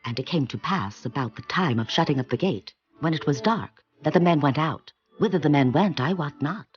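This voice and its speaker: A man's voice: a little high, expressive, fairly quick, lightly acted. A man voicing an earnest, pleading woman in a dramatized scripture audiobook. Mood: urgent. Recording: dull, muffled audio.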